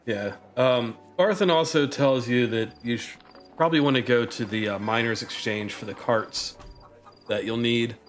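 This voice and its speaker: A man's voice: medium pitch, normal speed. A man narrating as game master of a tabletop game, hesitant, with many ums and uhs.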